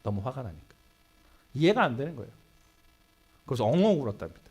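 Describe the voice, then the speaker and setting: A man preaching a Sunday sermon in a church, telling a story with sudden swings between loud and hushed delivery. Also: medium pitch, very animated, fast, breathy edge. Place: church sanctuary.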